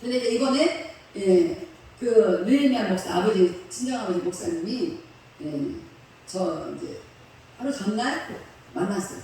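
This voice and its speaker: A woman's voice: medium pitch, expressive, a little slow, warm tone, slight background noise. A woman pastor telling a story in a sermon, in a chatty, colloquial way, laughing along with the congregation. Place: church sanctuary. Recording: echoey hall from far off.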